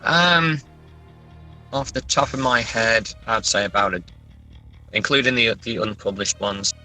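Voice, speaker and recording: Bright-voiced man chatting as interview guest. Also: on the low side, a little slow, soft background music, rough recording. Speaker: guest author. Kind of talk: casual interview chat.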